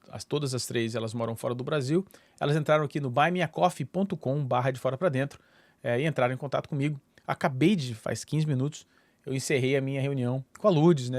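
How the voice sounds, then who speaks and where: A man's voice: mid-range voice, a little mellow, dry recording. A middle-aged Brazilian man hosting his own channel, talking casually to the camera and often restarting his sentences with fillers. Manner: rambling, many fillers and restarts. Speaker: YouTube channel host. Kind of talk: casual solo talk to camera.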